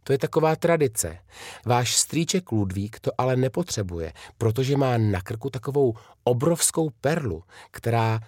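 A man's voice: medium pitch, expressive, a little mellow, dry recording, studio quality, pitched above the performer's own voice, lightly acted. A man reading a children's storybook, voicing a kind, firm young female governess who explains things emphatically. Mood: explaining.

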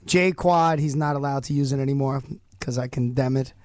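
A male radio host, hoarse from losing his voice, hyping up his show with joking, showy banter in a studio. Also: mid-range voice, darkish tone, no echo. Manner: showy, joking, rapid riffing introductions. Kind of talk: playful, hyped radio banter. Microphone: studio microphone.

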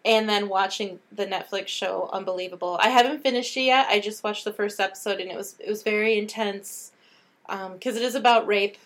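A woman's voice: medium pitch, fairly even intonation, a little fast, a bit bright. Earnest young woman giving recommendations. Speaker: podcast co-host. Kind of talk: casual chat.

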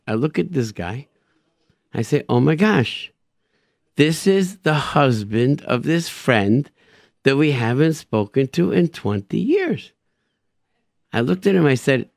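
A radio host with a fairly high, gravelly voice tells personal religious stories in an informal, emphatic way, repeating phrases and dropping in Hebrew and Yiddish expressions. The recording is studio quality with no room sound.

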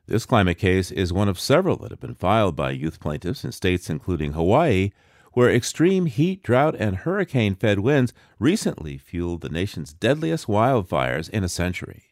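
A man hosting a radio news magazine, reading scripted narration in a measured, steady way. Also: on the low side, no room sound, clean studio sound. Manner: measured, steady newsreader delivery.

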